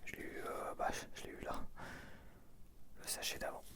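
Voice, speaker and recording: Male ASMR creator. Whispered, casual, unhurried murmuring in short fragmentary remarks, addressed to the listener. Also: pushed and bright. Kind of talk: whispered ASMR, casual sticker-unboxing commentary.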